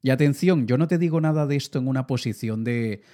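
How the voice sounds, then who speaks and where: A man's voice: medium pitch, quick pace, warm tone. Earnest spanish-speaking guy doing a motivational talk straight to you, ordinary mid voice. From Latin America. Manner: earnest, direct, addresses the listener as "you". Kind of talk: motivational monologue.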